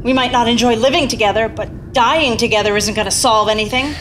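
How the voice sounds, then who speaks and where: A woman's voice: a little high, fairly even intonation, a little fast, a little hiss or hum, lightly acted. A woman playing a bitter, long-suffering, exasperated wife in a radio play. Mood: urgent, reasoning. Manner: biting, exasperated. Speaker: actor in a staged radio play. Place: theater stage. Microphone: stand microphone.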